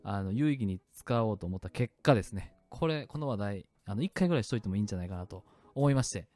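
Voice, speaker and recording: A podcast host, a chatty man with a lively pitch, talks fast in a casual solo segment explaining his sound effects. He's relaxed and full of fillers, starting and stopping clips as he goes, with faint music clips playing in the background.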